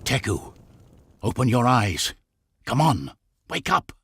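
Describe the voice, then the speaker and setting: A man voicing a solemn, reassuring tribal shaman who teaches in an unhurried manner, in a video game story. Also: mid-range voice, very animated, fairly bright tone, husky, exaggerated voice. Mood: urgent, relieved. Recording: music under the voice.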